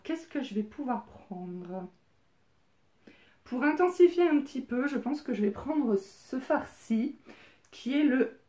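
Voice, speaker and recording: Chatty woman with a bright higher voice. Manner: chatty and hesitant, many filler pauses. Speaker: beauty vlogger. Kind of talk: casual makeup tutorial. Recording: roomy echo.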